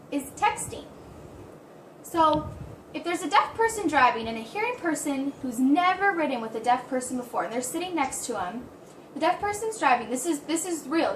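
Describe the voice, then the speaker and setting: A woman with a high voice gives an informal spoken interpretation of a presentation. She rephrases as she goes, slightly halting. She sounds set back from the microphone in an echoey room, with faint noise underneath. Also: a bit bright. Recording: roomy echo, distant mic, background hiss.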